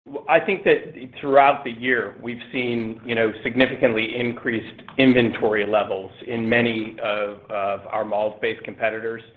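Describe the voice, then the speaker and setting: A man speaking as a company executive answering analysts on an earnings call, in a halting, measured corporate way over a phone line. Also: mid-range voice, steady tone, slight background noise.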